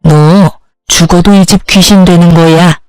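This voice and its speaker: A woman's voice: fairly low pitch, fairly even intonation, unhurried, darkish tone, clear, resonant tone, no echo, soft background music, lightly acted, rough recording. A woman reading as a spiteful scolding mother-in-law. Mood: scornful. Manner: insulting, contemptuous scolding.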